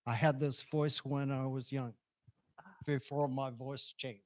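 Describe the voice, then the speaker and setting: A man with a low voice telling a story at a church gathering, talking slowly and haltingly, searching for words after strokes. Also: little pitch movement. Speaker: congregation member sharing a story. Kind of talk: halting personal testimony. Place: church hall. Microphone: handheld microphone.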